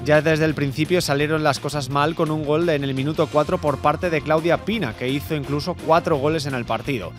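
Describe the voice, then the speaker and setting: A man's voice: on the high side, fairly quick, hardly any pauses, faint music behind. Man giving a scripted sports report.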